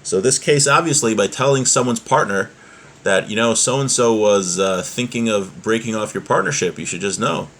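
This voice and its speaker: A man's voice: on the low side, normal speed, fairly bright tone. A man giving an informal religious text lesson in an explanatory, often hesitant way, as a teacher of Jewish law. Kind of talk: text lesson, reading aloud then translating and explaining.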